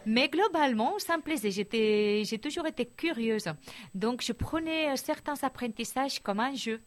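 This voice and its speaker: A middle-aged woman from Barcelona, a school life counselor, answering interview questions thoughtfully, with frequent pauses and restarts. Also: fairly high pitch. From Barcelona, Spain.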